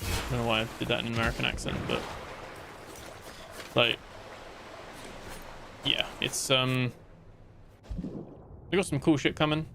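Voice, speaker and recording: A gaming livestreamer chats casually with his viewers during gameplay, rambling with lots of fillers and restarts. His medium-pitched voice is unhurried, with vocal fry and long pauses, against a noisy background.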